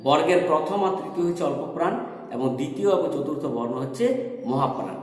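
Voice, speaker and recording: Male lecturer, high voice, self-questioning explainer, very echoey room. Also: lively intonation, quick pace. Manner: explains step by step, asks and answers his own questions. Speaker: teacher. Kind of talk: recorded lecture. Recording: echoey room with long reverb.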